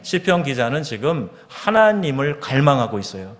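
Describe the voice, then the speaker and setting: A Korean man, a pastor, preaching a sermon in a church, asking the congregation questions and reading scripture slowly and solemnly. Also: mid-range voice, big pitch swings. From South Korea. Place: church sanctuary. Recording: long hall reverb of a church.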